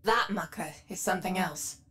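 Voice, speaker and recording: A woman's voice: lowish voice, moderate pace, a bit bright, natural voice. A woman playing a determined squad leader in a video game, giving briefings in a direct, commanding way. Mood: grim resolve.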